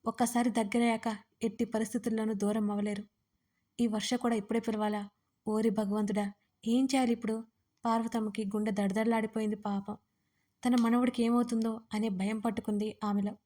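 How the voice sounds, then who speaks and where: A woman narrating a romance audio story from a script with a steady, even reading. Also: fairly high pitch, a little fast.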